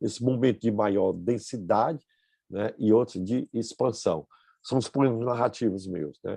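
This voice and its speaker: In a quiet background with a dry, close sound and no echo, a man speaks at a moderate pace in a dark, mellow tone. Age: 70s. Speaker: poet. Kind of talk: casual chat. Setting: video call.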